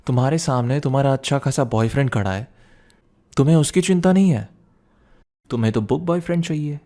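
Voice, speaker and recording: A man playing a young student boyfriend, teasing and protective, in an intimate ASMR roleplay with a soft conversational delivery. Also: mid-range voice, fairly quick, natural voice. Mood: mock-offended.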